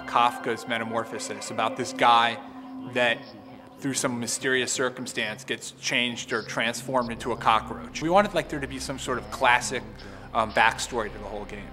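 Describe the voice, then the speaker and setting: Bright-voiced man musing in an interview. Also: mid-range voice. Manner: reflective, halting, repeats words. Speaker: game co-creator. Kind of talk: documentary interview. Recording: reverberant room with faint music.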